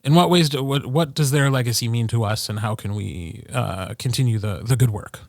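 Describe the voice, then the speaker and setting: A man's voice: mid-range voice, fairly quick, vocal fry, dry recording, clean studio sound. A man hosting a podcast, chatting casually with a playful, joking manner. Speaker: podcast host.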